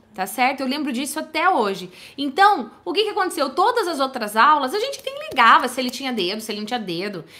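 A woman speaks in a raised, projected voice at a high pitch with very wide pitch swings. Her pace is very fast, with hardly any pauses. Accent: Paraná. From Paraná interior, Brazil. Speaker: psychologist and public speaking coach; public speaking coach. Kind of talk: advice Q&A video. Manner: casual, playful. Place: office. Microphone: studio mic.

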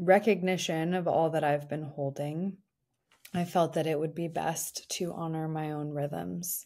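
Speaking at a fairly slow pace, a woman uses a very deep, low pitch and a dark, mellow tone, her intonation monotone and flat. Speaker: podcast host. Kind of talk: reflective personal podcast monologue. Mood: soft, vulnerable, reflective. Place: home room. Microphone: studio mic.

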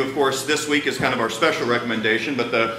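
The speech is very fast. There is audible room echo and light background noise. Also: man. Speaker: pastor giving announcements. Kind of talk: church announcements. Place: church. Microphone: podium.

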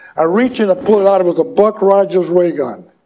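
Over a quiet background, a man speaks at a high pitch and a fairly quick pace, with ordinary pitch variation. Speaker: retired laser engineer. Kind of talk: onstage interview. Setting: stage with audience. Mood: warm, humorous storytelling. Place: hall.

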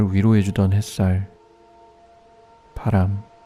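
Music plays in the background as a man speaks. His pitch is fairly low and his pace fairly slow. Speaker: book narrator. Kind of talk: book trailer narration of poetry/essay.

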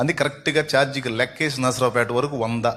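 A man speaks at medium pitch. He has an unremarkable speaking voice. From Andhra Pradesh, Guntur district (Chilakaluripet). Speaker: pastor. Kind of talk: testimony.

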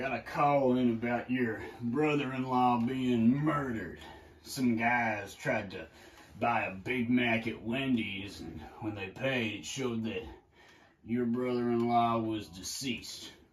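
A man with a medium-pitched voice talks fairly slowly. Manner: casual, boastful.

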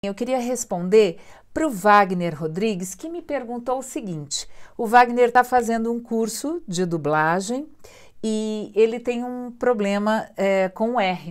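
Against a quiet background, a woman talks at a fairly slow pace with lively intonation and big swings in loudness. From Brazil. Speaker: voice-over artist and coach; voice-over coach, vlogger. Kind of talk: vlog advice to followers. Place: home room. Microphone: lapel.

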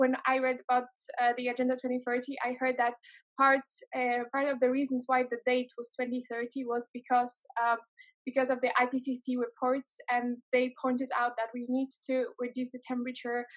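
A woman speaks at a moderate pace with a Polish accent, her pitch high and her intonation monotone and flat. The background is quiet. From Poland. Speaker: program coordinator, interviewer. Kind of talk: interview. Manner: hesitant. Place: home room. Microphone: video call.

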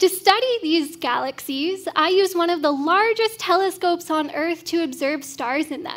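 Delivery is fairly slow. An American accent comes through. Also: woman. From US South, Atlanta area; US South. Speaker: astronomy PhD student; presenter. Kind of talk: competition research talk. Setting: stage with live audience. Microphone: headset.

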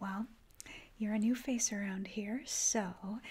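A woman whispers at a very slow pace. She is soft-spoken and somewhat breathy. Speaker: ASMR creator playing a hair stylist. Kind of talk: ASMR roleplay, soft-spoken salon stylist chit-chat. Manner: soft-spoken, friendly, whispered. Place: home room. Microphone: studio mic.

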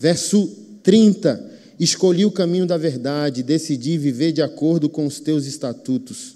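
Against a quiet background, the voice has a dark, mellow tone and ordinary pitch variation. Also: man. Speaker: preacher. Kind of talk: sermon. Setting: church. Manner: animated, fervent, preaching in full flow. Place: church.

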